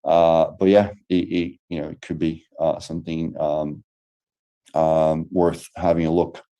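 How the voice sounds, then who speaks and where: Hesitant Brazilian man, deep flat voice. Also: unhurried, muffled recording. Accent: Brazilian Portuguese. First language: Portuguese. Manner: hesitant, many fillers and restarts. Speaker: lecturer. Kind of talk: online lecture Q&A. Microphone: video call.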